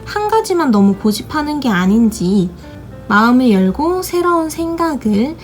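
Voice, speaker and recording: A woman with a voice gone hoarse from a sore throat, calmly explaining the meanings of tarot cards for a study video. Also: high-pitched, normal speed, faint music behind.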